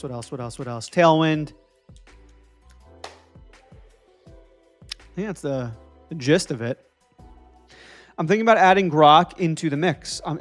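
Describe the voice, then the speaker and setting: A young man from New Jersey hosts a casual live stream, thinking out loud as he works and answering viewers. His voice sits a little high for a man. Faint music plays quietly behind him. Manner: thinking aloud while coding, answering viewer chat.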